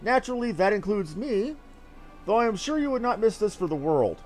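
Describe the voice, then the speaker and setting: A man voicing an earnest, self-assured young noble scholar from a fantasy game, reading dialogue in a formal, measured way. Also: high voice, big pitch swings, faint music behind. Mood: formal, determined.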